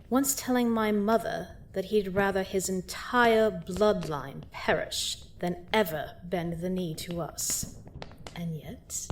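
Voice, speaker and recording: Woman doing a vampire queen for fantasy roleplay audio, lowish voice, real slow n haughty, menacing and vengeful. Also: slight background noise. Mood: triumphant, bitter. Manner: haughty, deliberate, menacing, dropping into hushed breathy asides. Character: vengeful vampire queen, imperious conqueror gloating over a captive prince.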